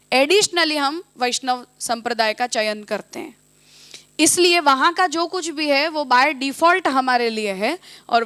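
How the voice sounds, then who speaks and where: A woman teaching in a measured, explanatory devotional discourse, often mixing English terms into her talk. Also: high-pitched, a bit bright, no echo. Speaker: religious teacher.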